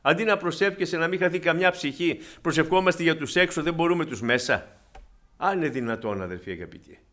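Preacher with a higher-pitched voice. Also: male voice, animated. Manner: swings between loud exhortation and soft low asides, retelling anecdotes. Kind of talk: sermon.

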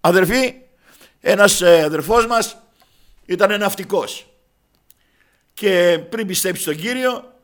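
A male preacher with a high-pitched voice delivers a sermon as a story. He addresses the congregation as brothers and slips into the voices of the people he quotes. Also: long pauses. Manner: acts out dialogue in quoted voices.

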